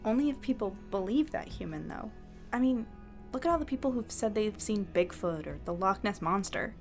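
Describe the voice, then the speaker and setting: A woman's voice: medium pitch, animated, moderate pace, soft background music, close to an everyday voice. A woman playing an earnest, slightly awkward young newspaper reporter in a conversational audio drama. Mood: questioning. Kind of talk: naturalistic audio drama dialogue and narration.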